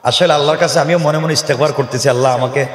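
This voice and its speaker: A male preacher, giving a loud rhetorical sermon into a microphone and prompting the crowd to respond. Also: fairly high pitch, fast talker. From Bangladesh. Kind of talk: sermon at a religious gathering. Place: large religious gathering. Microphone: microphone over PA. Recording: echoey hall, long reverb, PA.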